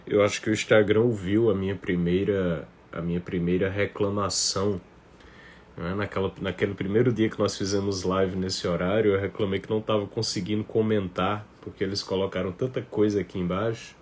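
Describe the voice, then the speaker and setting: Low-voiced northeastern Brazilian man, noisy recording. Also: steady tone, a little fast. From Paraíba, northeastern Brazil. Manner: conversational, often adds tag questions. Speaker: teacher hosting a live online class. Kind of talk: informal livestream talk to viewers. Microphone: phone on a stand. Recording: noticeable background noise, phone livestream.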